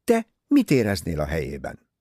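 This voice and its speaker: A man's voice: deep voice, wildly swooping pitch, mellow, no room sound, clean studio sound, pitched below the performer's own voice, exaggerated voice. A man voicing a prim, disapproving older English mother in an audiobook, scolding and easily offended.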